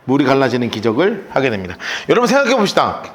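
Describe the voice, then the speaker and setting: A male pastor teaching the Bible in a lively storytelling sermon, telling listeners what to write down. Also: mid-range voice, quick pace. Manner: lively storytelling, gives note-taking instructions.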